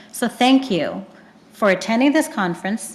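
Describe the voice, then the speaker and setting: A woman speaks with a Boston accent and lively intonation. The room echo is audible. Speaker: conference organizer introducing speaker. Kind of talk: event welcome speech. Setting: conference venue with live audience.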